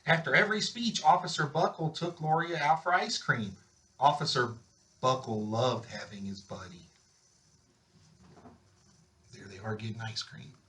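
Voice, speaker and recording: Male storybook reader, mid-range voice, expressive read-aloud delivery for young listeners. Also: medium pitch, measured pace, pauses often, low-quality recording. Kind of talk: expressive read-aloud of a children's picture book.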